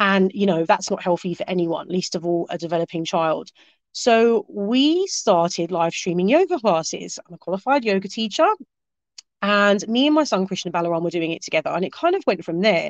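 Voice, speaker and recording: A woman with a London accent talks fairly quickly at a medium pitch, her intonation lively. The sound is dry and close with no echo, over a quiet background. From London, England. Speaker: children's advocate and channel founder. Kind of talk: seminar talk. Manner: casual, with many fillers.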